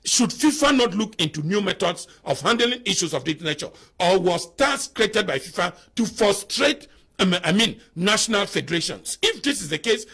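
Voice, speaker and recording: A man's voice: sits high, creaky, sharp tone, husky. A man, a panel guest arguing a point in a heated debate with pressing rhetorical questions.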